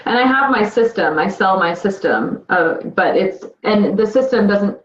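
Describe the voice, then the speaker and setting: A woman coaching client speaking haltingly with many restarts and nervous laughs. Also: mid-range voice, lively intonation, a little hiss or hum. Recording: dull echoey call audio.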